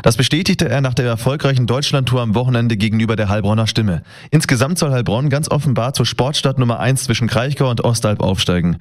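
A man delivering a regional radio news report in a brisk, clear way. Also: mid-range voice.

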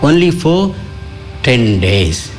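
A man who works at an island resort, telling anecdotes in an interview in a relaxed way with small restarts. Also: mid-range voice, very slow, faint music behind.

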